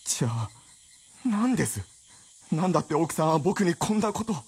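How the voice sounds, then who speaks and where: 問い詰める憤った青年. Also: male voice, fairly high pitch, very animated, normal speed, darkish tone, husky, heavily acted. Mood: indignant. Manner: agitated, pressing questions. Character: earnest young male writer's companion, indignant. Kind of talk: radio drama acting.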